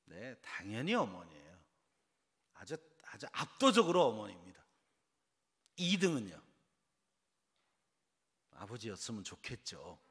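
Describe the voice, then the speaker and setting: A man's voice: fairly low pitch, huge pitch swings, a little slow, long pauses, fairly bright tone, breathy edge. A man from Seoul preaching an early-morning sermon as pastor, quizzing the congregation. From Seoul, South Korea. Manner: engages the congregation with quiz questions. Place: church sanctuary. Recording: long reverb of a church sanctuary.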